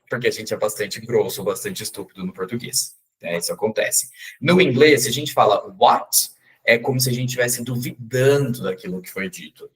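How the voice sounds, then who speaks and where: A man's voice: mid-range voice, breathy edge. A man teaching an English pronunciation class in a chatty, joking way, explaining sounds step by step. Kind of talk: casual online class.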